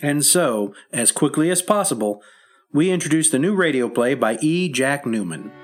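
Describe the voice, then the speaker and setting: A man's voice: mid-range voice, expressive, normal speed. A man hosting an old-time radio drama, giving a formal introduction. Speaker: host and actor introducing the play.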